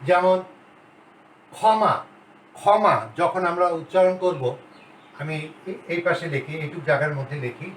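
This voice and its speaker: A male grammar lecturer teaching a class at the board, talking slowly and deliberately and repeating the key sounds. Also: a little high, a bit bright, recorded from a distance. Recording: roomy, off-mic, faint hiss.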